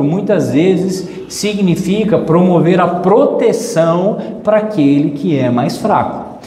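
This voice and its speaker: A man's voice: high voice, darkish tone. A man with a Brazilian Portuguese accent preaching a sermon, emphatic, repeating phrases and acting out quoted voices. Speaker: pastor. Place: church hall. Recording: echoey church hall with long reverb.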